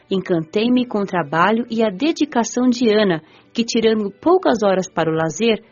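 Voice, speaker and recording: An actress playing a gentle, curious young woman spirit who narrates her afterlife in a measured, earnest radio drama style. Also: medium pitch, close to an everyday voice. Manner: measured, earnest, careful storytelling. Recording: muffled audio with music underneath.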